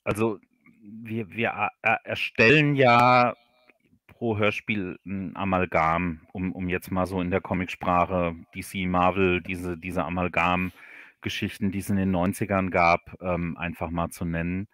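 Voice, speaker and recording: Low-pitched German man, halting delivery. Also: flat delivery, fairly bright tone, no room sound, studio quality. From Hesse, Germany. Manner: halting, repeats words while thinking. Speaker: guest author of audio dramas. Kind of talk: casual livestream interview talk.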